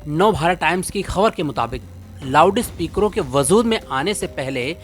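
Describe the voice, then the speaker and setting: News explainer presenter, Indian accent, medium pitch, reads from script over a music bed. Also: animated, normal speed. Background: background music.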